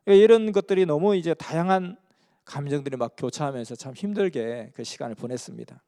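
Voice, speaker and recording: A man's voice: on the high side, animated, brisk, mellow. A man from Busan, earnestly telling a story in a sermon. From Busan, South Korea. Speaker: preacher. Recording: long hall reverb.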